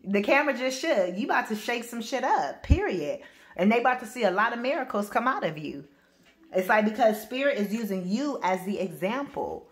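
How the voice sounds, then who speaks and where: A woman with AAVE speech giving a spiritual reading to camera, loud and powerful, blunt and emphatic, cursing freely and restarting her sentences. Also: a little high, animated, fairly quick. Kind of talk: casual spoken reading to camera.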